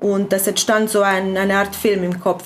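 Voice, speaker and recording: A woman's voice at medium pitch and moderate pace. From Transylvania, Romania (German-speaking minority). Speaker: playwright, journalist and translator. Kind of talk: casual discussion. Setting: remote call.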